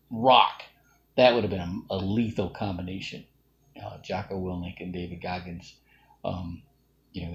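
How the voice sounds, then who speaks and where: A middle-aged man from Alabama, talking through a casual, rambling self-reflective monologue full of fillers and restarts. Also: fairly low pitch. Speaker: vlogger.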